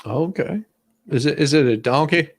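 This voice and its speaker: A man hosting a live stream chat in a gravelly, slightly husky voice. He talks loosely and jokes, tripping over his words and repeating them as he goes. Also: on the high side, moderate pace. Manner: stammering, repeats words, jokey. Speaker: livestream host.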